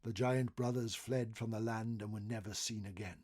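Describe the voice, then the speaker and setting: A man narrating folklore as a storyteller, expressive and dramatic, swelling on phrases and dropping to hushed endings. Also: on the low side, moderate pace. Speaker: storyteller reading a folklore article.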